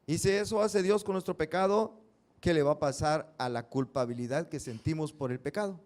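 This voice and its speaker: A man's voice: fairly high pitch, brisk, a little mellow. A male pastor preaching a sermon, earnest, with rhetorical questions and vivid stories.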